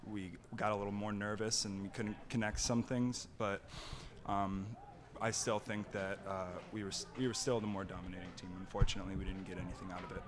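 A man's voice: on the low side, flat delivery, fairly quick, a crowd in the background. A man in his early twenties, a college soccer player, giving a hesitant answer at a post-match press conference. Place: indoor press conference room, seated at table.

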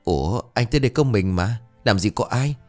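A man's voice: lowish voice, animated, fairly quick, a little mellow, faint music behind, lightly acted. A man voicing a puzzled young woman nurse who keeps asking questions in a told ghost story.

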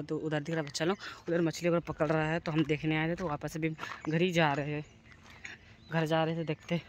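A man's voice: on the high side, slight background noise. A man with a Jharkhand Hindi accent, filming a casual travel vlog outdoors on a phone and talking to his viewers in a chatty, teasing way. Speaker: vlogger. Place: outdoors, village and roadside.

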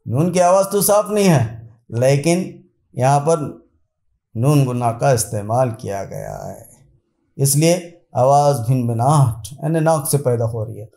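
Guy teaching urdu spelling real slow, says each example word one at a time, dark voice, echoey room. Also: medium pitch, creaky. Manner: slow, explanatory, repeats example words one by one. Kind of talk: spoken grammar lesson.

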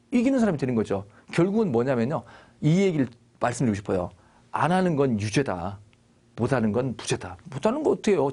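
A man's voice: fairly high pitch, a little mellow, husky. A male English teacher giving a Bible-based grammar lesson, asking the class questions and answering them himself.

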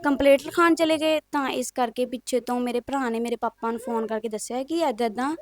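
A woman's voice: fairly high pitch, fast talker. A woman steadily recounting events to a reporter. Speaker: interviewee, daughter.

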